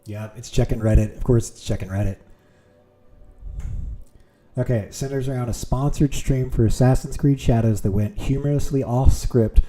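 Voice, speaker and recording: A man's voice: mid-range voice, moderate pace, mellow. A man streaming from home, reading aloud with amused reactions, with keyboard clicks nearby. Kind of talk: casual streaming commentary.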